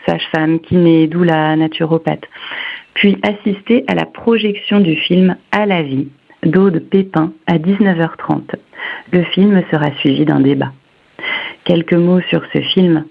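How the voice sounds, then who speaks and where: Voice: medium pitch, unhurried, vocal fry. Caller reading over a tinny phone line. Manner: steady, read-out. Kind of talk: reading an announcement.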